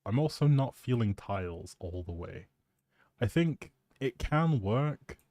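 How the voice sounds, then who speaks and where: A man's voice: medium pitch, animated, slow pace, dark tone, no echo, studio quality. A man live streaming, chatting casually in an appreciative, rambling way and thinking aloud as he goes.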